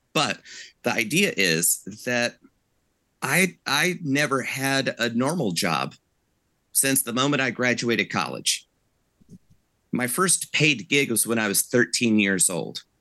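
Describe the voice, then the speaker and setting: A man speaks at a fairly slow pace with a medium pitch, a bright, sharp tone and vocal fry. His intonation is lively, with long, frequent pauses against a quiet background. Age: 40s. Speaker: mentalist and business consultant. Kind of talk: podcast interview.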